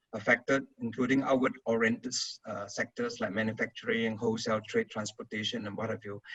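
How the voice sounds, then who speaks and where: The man's voice has a bright, sharp tone. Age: 60s. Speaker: franchise consultant. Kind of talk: webinar presentation. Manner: hesitant, many fillers.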